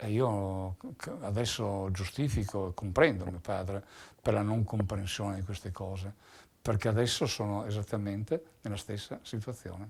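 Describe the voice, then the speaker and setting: Somewhat breathy speech comes at a moderate pace with ordinary pitch variation on a very clean recording with a silent background. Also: man, fairly low pitch for a man. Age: 60s. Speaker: former factory worker and trade union delegate. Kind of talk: oral history interview. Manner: halting.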